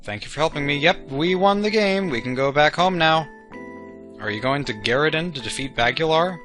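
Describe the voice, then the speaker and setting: A man's voice: fairly high pitch, lively intonation, normal speed, fairly bright tone. A man voicing an earnest, polite young princess from a video game, reading her lines in a raised voice. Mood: pleading. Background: video game music.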